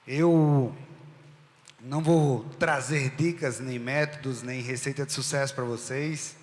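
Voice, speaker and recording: A man's voice: mid-range voice, steady tone, slow. Northeastern Brazilian man on stage, echoing hall. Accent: Northeastern Brazilian, from Rio Grande do Norte. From Rio Grande do Norte, Brazil. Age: middle-aged. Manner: conversational, asks the audience questions. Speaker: speaker at a live event. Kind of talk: storytelling keynote talk. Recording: long hall reverb.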